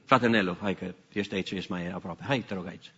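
A man preaching a sermon as pastor, animated and emphatic, with some English phrases mixed in. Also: sits low, husky. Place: church hall. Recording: hall reverb, dull lo-fi sound.

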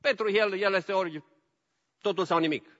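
High, bright-voiced preaching man. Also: big-room sound, highs cut off. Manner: swings between loud exhortation and soft low asides; mixes in English phrases. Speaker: pastor. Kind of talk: sermon.

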